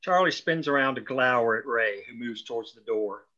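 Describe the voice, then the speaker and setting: Bright, forceful male script narrator, lo-fi. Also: mid-range voice, normal speed. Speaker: stage direction reader. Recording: dull lo-fi audio.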